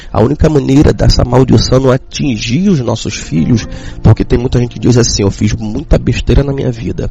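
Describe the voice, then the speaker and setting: A man talks at a fairly quick pace over background music. His voice sits at a medium pitch and varies in an ordinary way. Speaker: church elder giving devotional. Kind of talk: sermon.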